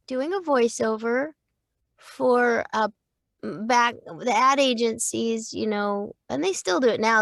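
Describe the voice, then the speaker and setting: A woman's voice: medium pitch, gravelly, fairly bright tone, no echo. A woman in her fifties, a voice actor, telling long rambling stories in a casual interview, with many restarts and little quoted voices. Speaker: voice actor guest.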